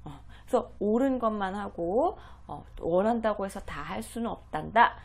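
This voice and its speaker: A woman giving a home English lesson, explaining each phrase and repeating the English lines slowly. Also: mid-range voice, vocal fry. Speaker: English teacher for parents. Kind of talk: slow, deliberate language lesson.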